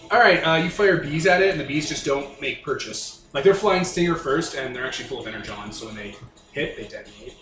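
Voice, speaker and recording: A man's voice: a little high, lively intonation, a little fast, sharp tone. A man acting as game master, improvising narration and banter in a casual, emphatic way. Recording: roomy echo, off-mic, music underneath. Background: music.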